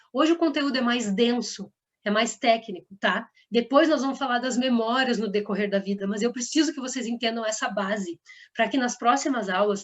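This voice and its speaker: A woman talks in a fairly high register, her pitch varying in an ordinary way. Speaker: online course teacher. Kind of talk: online lecture. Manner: fast.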